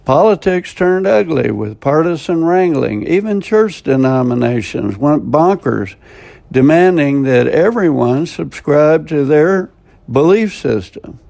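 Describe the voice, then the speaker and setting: A man's voice: fairly high pitch, lively intonation, a little slow, creaky, a little mellow. An older American man reading a short scripted devotional in a plainspoken, homespun way with dry self-mocking humor. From United States. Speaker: devotional radio host.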